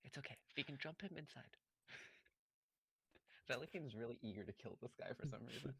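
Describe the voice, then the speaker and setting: A man playing a tabletop game, bantering casually in and out of character in an excitable, halting way. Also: mid-range voice, breathy edge, no echo.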